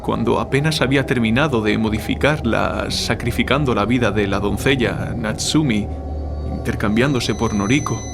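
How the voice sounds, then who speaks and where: Haunted, guilt-ridden writer, music behind. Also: male voice, on the low side, gravelly. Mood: confessional, remorseful. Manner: hesitant, halting confession with repeated words. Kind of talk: audiobook horror drama acting.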